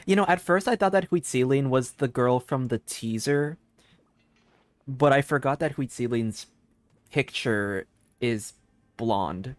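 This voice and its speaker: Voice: medium pitch, animated, a little slow, pauses often, dry recording. A game streamer giving casual live commentary, giggly, rambling and enthusiastic.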